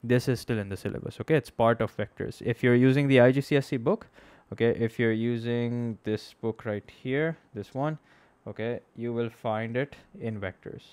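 A young man with a Pakistani accent teaches in an informal, conversational way. His voice sits at a middle pitch for a man. He is close on the microphone at a desk, with a dry sound and very little room in it. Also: moderate pace, few pauses, a little mellow, clear, resonant tone, no room sound. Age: young adult. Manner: conversational, checks in with "okay?", slips between English and Urdu. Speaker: maths teacher, live stream host. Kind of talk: informal live-streamed lesson. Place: small indoor room at a desk. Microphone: close microphone on a boom arm.

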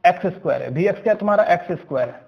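Slowly and step by step, a man solves maths problems for his class, asking again and again whether they've understood. His voice sits high and sounds animated and gravelly, with lo-fi sound quality.

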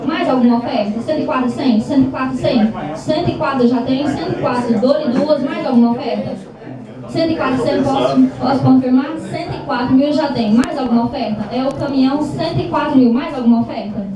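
A Brazilian woman runs a live auction with a high voice, chanting figures and prompts repeatedly. She is heard at a distance in a very reverberant room. A noisy audience sits around the microphone. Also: brisk, crowd noise. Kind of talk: live auction bid calling. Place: small crowded indoor meeting room. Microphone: distant handheld camera in audience. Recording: roomy far-off camera, audience noise.

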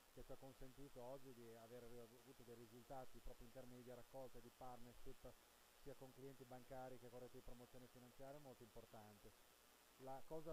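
Middle-aged male executive, measured and businesslike, handheld mic at a noisy trade fair with hiss. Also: mid-range voice. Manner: measured, businesslike, with frequent fillers. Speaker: sales director of an asset manager. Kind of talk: trade-fair interview answers. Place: busy trade-fair stand indoors. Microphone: handheld interviewer mic held close. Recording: audible hiss and background noise.

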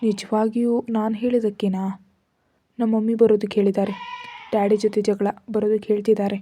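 A woman's voice: mid-range voice, little pitch movement, a little fast, dark tone, slight background noise, lightly acted. A woman voicing a serious, brooding young man, in a level voice barely changed from her own. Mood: blunt.

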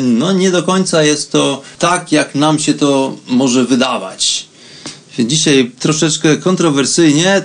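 A man from Poland hosting a radio program, speaking in an informal, chatty and reflective monologue, taking his time over his phrases. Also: mid-range voice.

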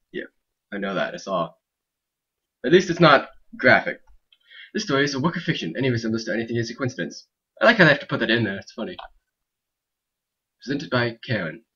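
A man's voice: mid-range voice, fairly bright tone, breathy edge. Male gamer on a dull lo-fi mic. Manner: rambling, joking asides. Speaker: gaming video host. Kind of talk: casual let's play commentary with reading game text aloud. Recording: dull lo-fi mic with game music. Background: video game music.

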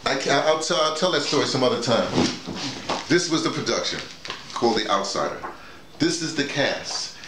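A man's voice: mid-range voice, expressive, normal speed. Man in an echoey room, explaining emphatically. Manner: emphatic, digressive, repeats phrases. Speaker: drama workshop leader. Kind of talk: casual conversation, storytelling and explaining. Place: small indoor room with a bed. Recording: echoey room, faint noise.

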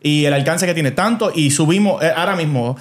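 A man's voice: on the high side, a little fast. A man with a Puerto Rican accent, hosting a podcast and telling stories in casual chat, dropping English words and restarting often. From Puerto Rico. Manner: animated storyteller, mixes English words, many restarts. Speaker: podcast host.

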